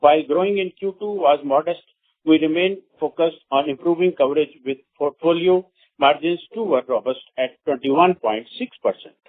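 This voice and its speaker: Over a narrow, phone-like connection comes a man with an Indian accent and a fairly high-pitched voice. He reads prepared corporate remarks in a formal manner, with occasional halting stumbles, as an executive presenting on an earnings call. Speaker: company executive. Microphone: phone conference call. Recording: narrow, tinny phone conference line.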